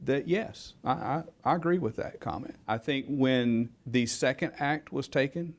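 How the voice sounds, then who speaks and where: A man in an official role giving measured, careful interview answers. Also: medium pitch.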